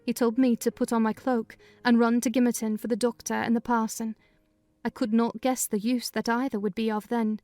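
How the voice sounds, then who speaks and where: Female audiobook narrator, measured storytelling, slightly high voice. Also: flat delivery, warm tone, no room sound, faint music behind. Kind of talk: dramatized audiobook reading.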